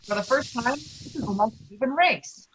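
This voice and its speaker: A woman's voice: on the high side, lively intonation, moderate pace, fairly bright tone, low-quality recording. A woman reading out stage directions as scripted narration of a screenplay.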